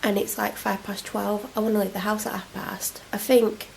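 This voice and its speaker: A woman's voice: medium pitch, little pitch movement, normal speed, creaky, slight background noise, rough recording. A young woman with a cold, chatting and rambling to camera at home in a casual vlog. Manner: rambling, self-deprecating, chatty. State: congested, snotty from a cold. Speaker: vlogger. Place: at home, indoors. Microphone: camera mic.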